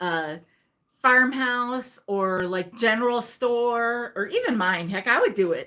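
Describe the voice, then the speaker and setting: On a very clean recording with a silent background, a woman speaks at a fairly high pitch with lively intonation and a bright, sharp tone. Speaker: online vintage seller. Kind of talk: live sale stream. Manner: casual chatty; halting.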